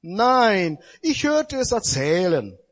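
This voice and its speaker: An excited young man, eager and loud, rushes to tell what he heard, as a preacher acts him out. The voice is high and husky, jumping around in pitch. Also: heavily acted. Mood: sheepish.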